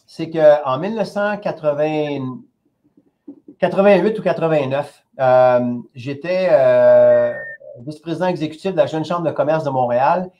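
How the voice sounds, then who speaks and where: Interview guest, Québécois man in his 50s, lively storyteller, a bit high-pitched. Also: unhurried, dull audio. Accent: Québécois French. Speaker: company president, interview guest. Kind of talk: casual anecdote telling.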